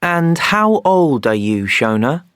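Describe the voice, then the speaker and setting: Brief: low woman's voice with lively pitch, very slow deliberate textbook delivery, dry sound. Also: dry recording. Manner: slow, lilting, clearly articulated speech. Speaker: textbook audio interviewer. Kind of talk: scripted textbook dialogue.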